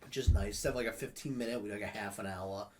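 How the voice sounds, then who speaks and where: A man's voice: fairly low pitch, rapid-fire. A man in his late twenties, stuffed up from a cold, chatting casually as an interview guest, laughing often and swearing freely. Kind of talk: casual chat.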